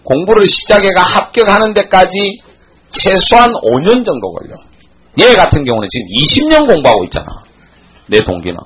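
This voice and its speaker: A man in his forties giving a classroom lecture, telling a blunt, animated story to his students. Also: sits high, fairly quick, poor audio. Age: 40s.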